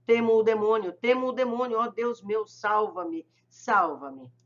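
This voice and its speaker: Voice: medium pitch, a little fast, a bit bright, dull audio, natural voice. A reader voicing a distraught woman spirit, an anguished mother who pleads in anxious exclamations.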